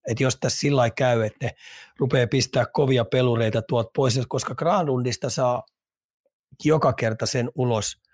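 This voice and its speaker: A man's voice: medium pitch, fairly even intonation, darkish tone, no room sound, clean studio sound. A man co-hosting a casual sports podcast, speculating at length and repeating words while he thinks. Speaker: podcast co-host, hockey analyst.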